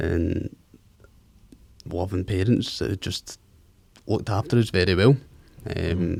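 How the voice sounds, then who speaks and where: The speaker is a man with a fairly low voice. His pitch varies in an ordinary way. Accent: Scottish. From Scotland, Glasgow (Cambuslang). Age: 20s. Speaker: guest, fitness coach sharing mental health story. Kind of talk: interview testimony.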